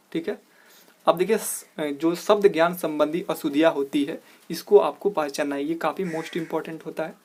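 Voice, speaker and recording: Man explaining grammar with rhetorical questions. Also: fairly high pitch. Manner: explanatory, repeats "dekhiye", slows down to stress corrected words. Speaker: teacher and channel host. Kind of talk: exam-prep grammar lesson.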